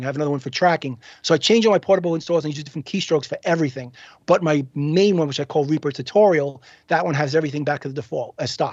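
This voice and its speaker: Talking at a very fast pace over a quiet background, a man uses a fairly high pitch with ordinary pitch variation. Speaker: producer and software tutorial educator. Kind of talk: interview conversation. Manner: fast, in short fragments.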